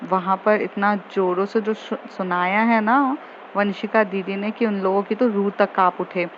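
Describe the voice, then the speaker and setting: A woman voicing a cheeky, teasing younger sister who speaks softly and slowly, with a knowing tone. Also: mid-range voice, steady tone, highs cut off, slight background noise, close to an everyday voice. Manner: soft, slow and knowing.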